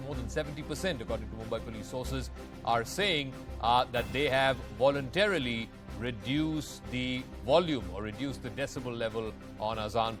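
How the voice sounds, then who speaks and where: A male news anchor speaks in a mid-pitched voice, presenting live and moderating debate. Faint music sits behind him.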